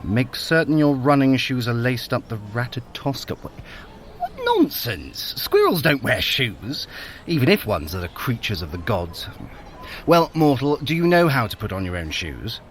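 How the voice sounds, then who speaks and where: A man's voice: mid-range voice, huge pitch swings, moderate pace, slight background noise. A male actor playing a sardonic, fussy trickster god in an audio drama, with theatrical, scornful, aristocratic delivery. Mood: scornful, exasperated. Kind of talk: scripted audio drama dialogue.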